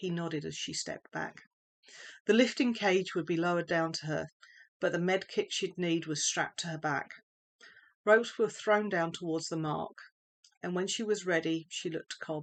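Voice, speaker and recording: Over a quiet background, a woman with a southeast English accent speaks at a fairly low pitch with fairly even intonation and long, frequent pauses. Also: moderate pace. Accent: southeast English (Kent). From southeast England, Kent. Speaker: author. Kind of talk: reading aloud. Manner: unpolished, non-performer reading.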